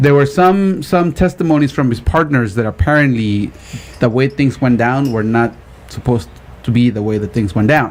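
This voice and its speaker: A man talks with a Spanish accent at a medium pitch. His intonation is lively. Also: moderate pace. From Guatemala. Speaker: podcast co-host. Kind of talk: casual chat. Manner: halting.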